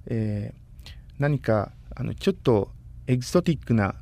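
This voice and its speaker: A man in his thirties from Costa Rica, a native Spanish speaker, talking as a guest in a casual interview. He speaks politely and in a measured way, often pausing to find his words. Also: mid-range voice, animated, gravelly, dark tone. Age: 30s.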